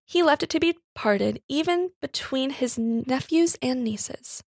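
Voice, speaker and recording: A woman's voice: sits high, lively intonation, a little slow, creaky, darkish tone, no echo, studio quality, heavily acted. A woman voicing a pert, defiant young housemaid with uneducated servant's speech in a story reading.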